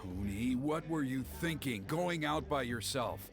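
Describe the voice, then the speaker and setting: A man's voice: medium pitch, animated, unhurried, gravelly, music in the background. An actor playing a protective father and tribal elder in a video game, stern or flustered by turns, with a theatrical delivery. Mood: stern, scolding. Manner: theatrical, stammers when flustered.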